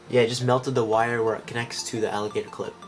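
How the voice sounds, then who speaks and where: A man is speaking. Music plays in the background. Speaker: DIY electronics hobbyist. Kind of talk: casual product review to camera.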